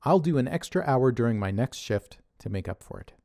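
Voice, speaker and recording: A man's voice: medium pitch, lively intonation, a little fast, vocal fry, dark tone, dry recording, studio quality. Man doing a smug wisecracking young survivor. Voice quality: sarcastic, deflecting.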